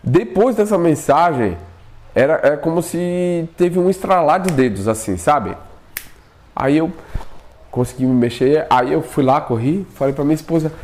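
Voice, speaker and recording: A man's voice: a little high, moderate pace. A man, telling a personal experience in casual spoken storytelling and acting out what he said back then. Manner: animated, acts out his own past pleas, often asks himself "por quê?".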